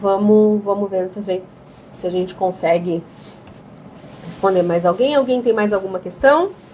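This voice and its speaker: Lively intonation from a woman at a moderate pace. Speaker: therapist live-streamer. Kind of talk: live stream Q&A chat. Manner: talkative; hesitant, filler-heavy.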